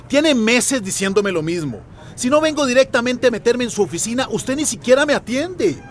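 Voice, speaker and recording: An actor playing a determined village leader who firmly presses an official for answers in a radio drama. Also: male voice, high-pitched. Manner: insistent, firm, pressing. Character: determined adult male village leader confronting a minister. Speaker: village representative.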